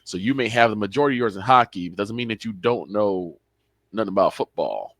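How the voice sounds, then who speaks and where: A man's voice: fairly low pitch, lively intonation, fast, fairly bright tone, no room sound. A young man co-hosting a sports show, chatting casually and explaining calls on the field. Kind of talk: casual color commentary.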